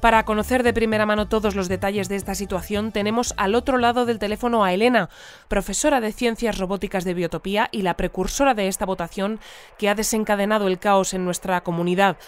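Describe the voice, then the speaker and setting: A woman's voice: mid-range voice, steady tone, fast, smooth, faint music behind, close to an everyday voice. A woman playing a composed but easily puzzled radio newsreader in an audio fiction, presenting in a formal announcing manner. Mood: formal, solemn. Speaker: news presenter. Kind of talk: scripted radio bulletin and interview in audio fiction.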